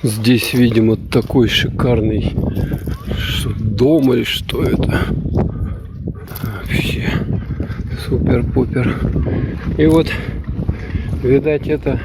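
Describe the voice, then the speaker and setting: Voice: medium pitch, fairly even intonation, slow pace, pauses often. A vlogger rambling casually and musing aloud in short remarks while walking outdoors by the water. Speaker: vlogger filming a walk. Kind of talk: casual unscripted walking commentary. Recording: noisy outdoor recording, wind and ambience.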